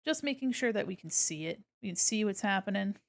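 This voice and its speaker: A woman hosting a casual art livestream, explaining as she works and speaking in a gentle, encouraging way. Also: medium pitch, animated, a little fast, gravelly. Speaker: art streamer and critique host. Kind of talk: casual livestream commentary while drawing, reading chat aloud.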